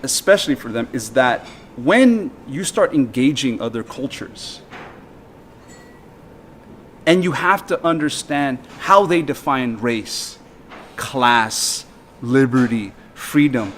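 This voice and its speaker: An American man hosting a casual conversation, talking emphatically and getting animated when he mocks how people talk. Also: mid-range voice, slow, slight background noise. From United States. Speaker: host.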